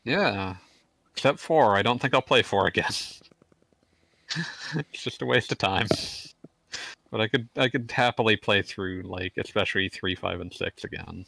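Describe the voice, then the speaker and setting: A man's voice: on the low side, moderate pace, vocal fry, pauses often, sharp tone, dry recording, low-quality recording. A man co-hosting a casual gaming podcast, rambling and stumbling over his words, often breaking into laughs. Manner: rambling, stammers on restarts, laughs mid-sentence. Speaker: podcast co-host.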